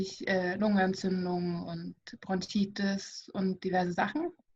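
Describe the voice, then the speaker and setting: Somewhat breathy, the voice moves along at a fairly slow pace. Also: woman. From Germany, Berlin. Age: 30s. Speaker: mother sharing her illness story. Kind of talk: interview testimony. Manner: hesitant, many filler sounds.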